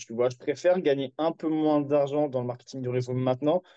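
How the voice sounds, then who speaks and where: A man with a fairly high pitch speaks at a fairly quick pace in a dark, mellow tone, recorded with a dry, close sound and no echo. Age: 20s. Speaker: entrepreneur. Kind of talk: interview. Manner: halting, many fillers.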